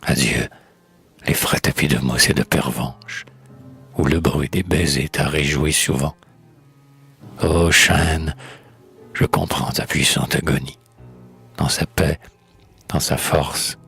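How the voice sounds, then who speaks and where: A man with a husky voice recites poetry in a solemn, declamatory, elegiac manner, with measured phrasing. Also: extremely low pitch, fairly bright tone. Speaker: poetry reader.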